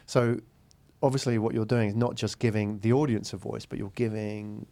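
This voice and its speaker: A man's voice: lowish voice, steady tone, normal speed, gravelly, mellow. A man hosting a conversational business podcast interview in a studio, often checking agreement as he talks.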